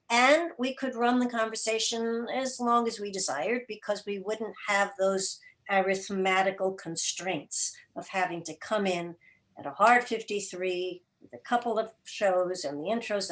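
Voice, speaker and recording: A woman answering as an interview guest, explaining things deliberately and emphatically in short, broken phrases. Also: medium pitch, rough recording. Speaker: guest, radio drama and podcast producer.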